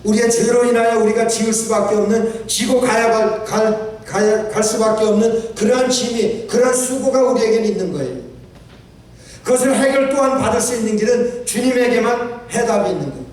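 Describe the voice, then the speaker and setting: A man's voice: very high voice, fairly quick, darkish tone. A male pastor preaching a sermon, repeating phrases for emphasis and quoting scripture. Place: church sanctuary. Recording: echoey church hall from a distant mic.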